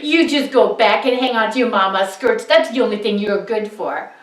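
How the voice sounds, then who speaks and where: A woman's voice: a little high, moderate pace, echoey room, recorded from a distance, close to an everyday voice. A woman voicing two older brothers teasing and mocking their youngest brother.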